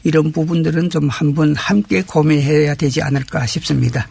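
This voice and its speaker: Guy being interviewed, creaky voice on the high side, polite formal explaining, very dry room sound. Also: fairly even intonation, fairly quick, darkish tone, no room sound. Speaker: interview guest, community representative.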